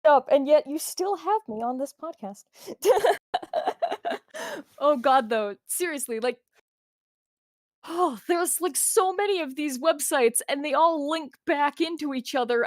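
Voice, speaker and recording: A woman with a high voice chats on a podcast. She plays a mock-serious interviewer. The recording is dry and close. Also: no echo. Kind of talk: casual podcast chat.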